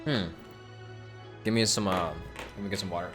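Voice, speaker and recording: A game livestreamer rambles casually as he comments on the game and chats with viewers. His voice is deep and steady at a normal speed, with game music playing behind it.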